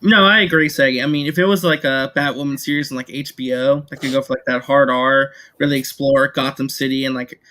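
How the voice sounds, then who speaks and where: A man's voice: mid-range voice, steady tone, brisk, few pauses, pushed and bright. A man chatting casually and giving blunt opinions, peppering his sentences with "like". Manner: opinionated, heavy use of "like". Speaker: panelist on an entertainment chat show. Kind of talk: casual chat.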